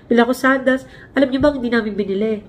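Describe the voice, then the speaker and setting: A woman in her forties from the Philippines, hosting a casual vlog and telling stories in an animated way, acting out quotes as she goes. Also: on the high side, fast talker. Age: 40s. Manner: animated, acts out quotes, laughs while telling. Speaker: vlog host. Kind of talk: casual storytelling chat. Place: home, Canada.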